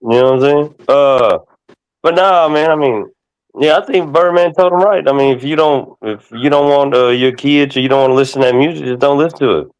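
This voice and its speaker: A man's voice: medium pitch, fairly quick, clean tone, poor audio. A man on a talk panel giving a laid-back, blunt opinion. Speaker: guest panelist. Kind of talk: casual chat.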